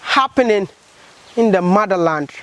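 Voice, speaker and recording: A man's voice: high voice, expressive, measured pace, fairly bright tone, a little hiss or hum, rough recording. A man vlogging with earnest, impassioned commentary, asking repeated rhetorical questions.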